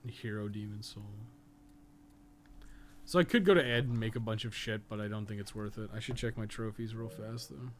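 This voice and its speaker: A man's voice: fairly low pitch, normal speed. A man giving casual, rambling gameplay commentary on a stream, swearing and muttering asides to himself as he plays. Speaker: podcast co-host playing a game on a live stream.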